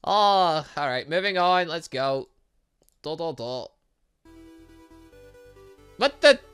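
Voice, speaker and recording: A gaming channel host plays through a visual novel, giving a casual let's play with chatty commentary, thinking out loud, reading snippets of game text, and muttering asides to himself. His male voice is fairly high, animated, and a touch bright, delivered smoothly at a slow pace. Faint music plays in the background.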